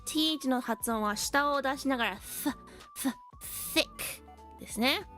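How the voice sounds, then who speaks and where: A woman with a high, light voice teaches English vocabulary on a stream, switching between slow, deliberate English and quick casual Japanese. She answers chat with easy laughs, and faint music plays behind her. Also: sharp tone. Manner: chatty, laughs often, reads chat comments. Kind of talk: bilingual English lesson stream.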